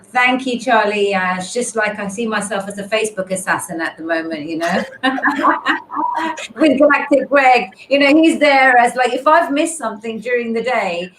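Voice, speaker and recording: A woman's voice: on the high side, lively intonation, moderate pace, crowd noise. Chatty upbeat woman in an echoey room. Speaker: guest contributor. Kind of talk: casual chat. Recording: echoey room with faint background noise.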